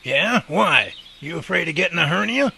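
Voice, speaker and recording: Man acting a creaky, feisty old professor. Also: fairly high pitch, expressive, moderate pace, sharp tone, heavily acted. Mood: indignant. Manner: folksy, blustery. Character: feisty, folksy, sharp-tongued older male professor. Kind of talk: audio drama dialogue. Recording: noisy outdoor ambience with birds.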